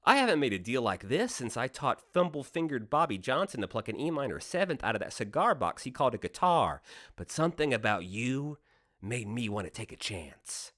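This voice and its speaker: Male actor as devilish deal maker, swooping pitch, sardonic, persuasive, theatrical, radio drama. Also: very animated, brisk, a bit bright. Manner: persuasive, sardonic, mock-folksy speechifying. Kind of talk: radio play acting.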